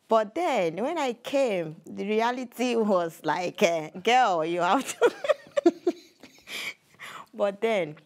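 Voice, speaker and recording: A woman's voice: mid-range voice, expressive, slow pace. A woman from Nigeria with a Nigerian English accent, a guest answering interview questions in a casual, hesitant way with easy laughter. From Nigeria, Edo State. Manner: hesitant, restarts often, laughs easily. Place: community TV studio.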